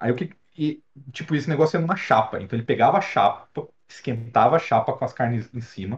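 A man talks at a very fast pace with lively intonation. His medium-pitched voice is somewhat breathy. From Brazil, Presidente Prudente (São Paulo state). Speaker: chef. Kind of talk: casual chat. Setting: video call.

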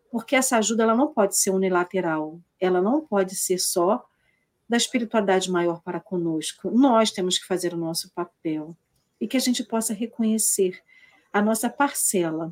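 An unremarkable speaking voice belongs to a woman who talks at a medium pitch and a moderate pace with lively intonation. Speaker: co-host, spiritist speaker. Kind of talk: casual talk on spiritist study, live stream. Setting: video call, live stream.

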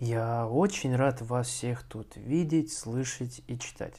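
A man's dark, mellow voice shows ordinary pitch variation, captured in a very clean recording against a silent background. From Estonia, Tallinn. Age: 20s. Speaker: podcast host. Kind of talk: scripted introduction monologue.

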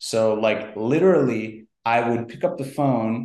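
A man with an American accent talks at a fairly slow pace. His voice sits at medium pitch with ordinary pitch variation. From United States. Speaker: DeFi co-founder, former trader. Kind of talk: interview. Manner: hesitant, many fillers.

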